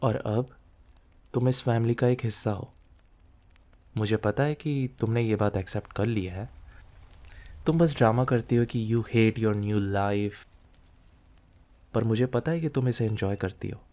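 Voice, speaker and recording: A man's voice: fairly low pitch, unhurried, long pauses, dark tone, lightly acted. A man playing a possessive, dominant mafia boss boyfriend in an intimate ASMR roleplay, teasing and commanding, mixing in English phrases. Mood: earnest, protective.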